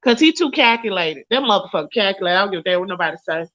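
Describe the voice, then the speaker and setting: A woman's voice: mid-range voice, animated, racing, a bit bright. A blunt, profane woman, hosting a casual talk show. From Mississippi, US. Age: late 30s. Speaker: host. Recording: lo-fi stream audio.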